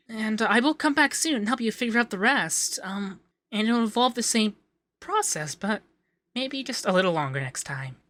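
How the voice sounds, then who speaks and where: Man playing a bright-voiced, shy, flirty femboy. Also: extremely high pitch, no echo, heavily acted. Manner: halting, stammering, coy. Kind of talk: intimate ASMR roleplay.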